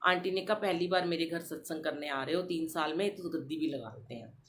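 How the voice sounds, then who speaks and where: A middle-aged woman hosting a devotional podcast, telling a personal story in an animated way and addressing the listeners directly. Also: deep voice, a little fast, slight background noise. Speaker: satsang podcast host.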